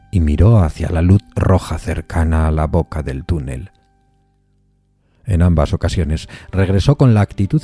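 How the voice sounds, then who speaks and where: A man narrating a gothic suspense story from a script in a measured, solemn storytelling manner. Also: deep voice, mellow, breathy edge.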